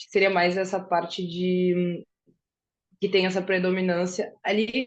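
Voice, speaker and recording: Over a quiet background, a woman talks at a medium pitch and a fairly slow pace. Her intonation stays monotone and flat. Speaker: graduate student presenting a paper. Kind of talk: academic group meeting discussion. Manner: halting, many fillers.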